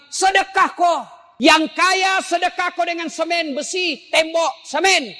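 A male preacher with a very high, bright and forceful voice delivers an animated, joking sermon. He throws rhetorical questions at his listeners and bursts into shouts. His voice rings with the long reverb of a big hall. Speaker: Islamic preacher.

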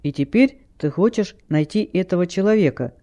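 A man voicing a level-headed teenage girl detective who reasons firmly but gently. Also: sits high, expressive, normal speed. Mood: calm.

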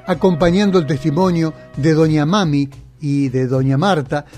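A man narrating a documentary news segment in an earnest, measured way. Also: a little high, mellow. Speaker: reporter and narrator.

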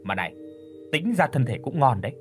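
A man voicing a crude, contemptuous male client with a deep, gravelly voice in an audiobook. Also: big pitch swings, fairly quick, faint music behind, close to an everyday voice. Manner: contemptuous, coarse. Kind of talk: audiobook character voice.

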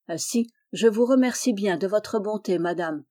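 A woman's voice: mid-range voice, normal speed, dark tone, lightly acted. A woman reading aloud and voicing a polite, earnest, kind peasant boy.

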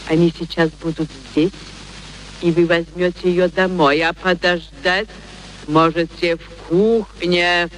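Woman acting a slow-spoken, stern housekeeper. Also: fairly low pitch, steady tone, natural voice, poor audio. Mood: dignified. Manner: formal, firm, dignified. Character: stern, proper female housekeeper. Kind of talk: radio play acting. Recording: old radio recording with background noise.

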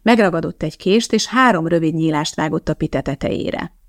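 A woman reads an audiobook novel aloud in a steady, even way. Her voice has a gravelly fry, and the recording is dry and close to the mic. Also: deep voice, dry recording. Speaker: audiobook narrator. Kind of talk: scripted audiobook narration.

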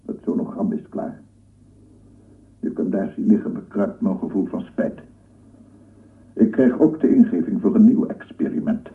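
A man's voice: on the low side, moderate pace, pauses often, close to an everyday voice. An actor playing an obsessive lone scientist in a radio play, cooing and murmuring repetitively as he does with his dog. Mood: brooding. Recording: echoey, distant, phone-like old radio recording.

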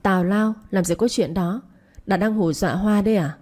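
A woman's voice: mid-range voice, normal speed, a little mellow, natural voice. A woman voicing a scheming, shameless pregnant stepmother who mocks and wheedles. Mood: wheedling. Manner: mocking, wheedling.

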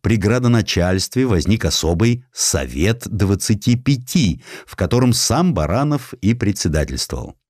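A man narrating an audiobook of historical sketches in an expressive, theatrical, ironic manner. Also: on the low side, moderate pace, few pauses, no echo, studio quality.

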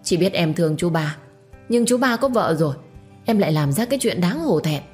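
A woman's voice: fairly low pitch, lively intonation, moderate pace, a little mellow, faint music behind, close to an everyday voice. A woman voicing a scheming sister-in-law who chides with false kindness. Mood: chiding. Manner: chiding, falsely kind. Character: scheming elder sister-in-law, sweet-faced.

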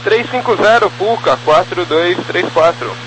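A man with a Brazilian accent, a pilot reading back clearances over a two-way radio. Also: high voice, animated, a little slow. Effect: heard over two-way radio. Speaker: airline pilot. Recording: very noisy cockpit radio transmission.

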